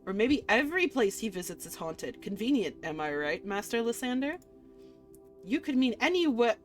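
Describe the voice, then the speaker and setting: A woman reading a visual novel aloud as a game streamer, mixing expressive narration with casual, playful reactions. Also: on the high side, moderate pace. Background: faint music.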